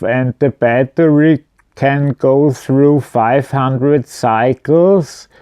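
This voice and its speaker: Man, unhurried, smooth clear voice, informal explainer, matter-of-fact, slightly hesitant. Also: medium pitch, warm tone, dry recording. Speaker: video presenter. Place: indoors at home.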